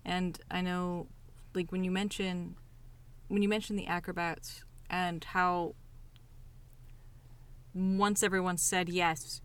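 Slow-spoken, lower-voiced woman. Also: flat delivery, a bit bright, clear, resonant tone. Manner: measured, deliberate, searching for words. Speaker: podcast co-host and circus performer. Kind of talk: casual conversation.

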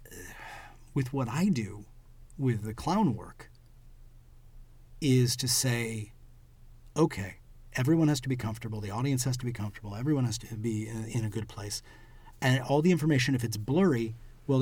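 A man co-hosting a podcast, explaining his craft in a reflective, casual way, his phrases often trailing off quietly. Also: mid-range voice, slightly rough, no echo. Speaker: podcast co-host and clown performer.

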